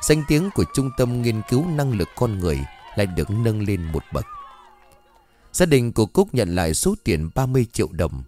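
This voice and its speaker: Expressive male storybook narrator. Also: fairly low pitch, fairly quick.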